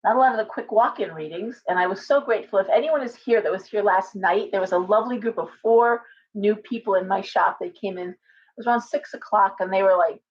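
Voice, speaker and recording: A middle-aged woman, a tarot reader, chatting casually on a livestream from her living room, hoarse from coughing and rambling with many restarts. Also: medium pitch, brisk. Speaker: tarot reader and shop owner. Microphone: webcam at desk distance. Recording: slightly dull lo-fi webcam audio.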